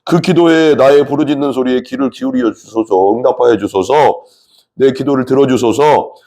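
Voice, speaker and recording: A man preaching a Bible reading in a relaxed conversational way, asking his listeners questions and using frequent fillers. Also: medium pitch, moderate pace. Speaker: pastor. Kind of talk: Bible study sermon.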